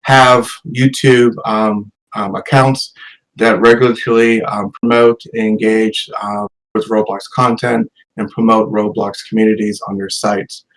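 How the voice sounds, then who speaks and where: A middle-aged man from Massachusetts, an educator presenting a talk with slides, hesitant and filling pauses with many ums. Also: lowish voice, level tone, low-quality recording.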